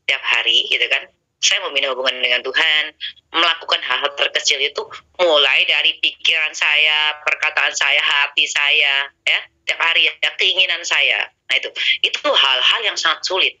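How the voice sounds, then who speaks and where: Bright-toned animated woman telling a story. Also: low-pitched, normal speed, poor audio. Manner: animated, acts out quoted dialogue, addresses listeners directly. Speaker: insurance agent sharing a testimony. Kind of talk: casual testimony talk.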